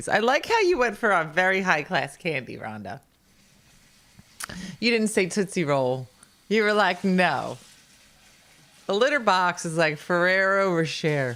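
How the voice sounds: With a New Jersey accent, a woman speaks at a fairly slow pace and medium pitch, leaving long, frequent pauses. Her pitch swings very widely.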